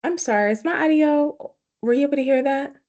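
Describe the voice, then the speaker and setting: A woman's voice: high-pitched, fairly quick, darkish tone, lo-fi sound. A woman on a video call during a formal hearing, polite and apologetic, her audio glitching and choppy.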